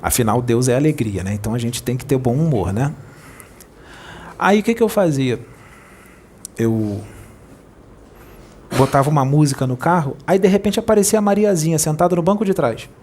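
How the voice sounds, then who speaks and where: A man with a Brazilian Portuguese accent, a spirit medium preaching informally in a playful, jokey way that rushes over his words. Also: medium pitch, animated, a little mellow, a little hiss or hum.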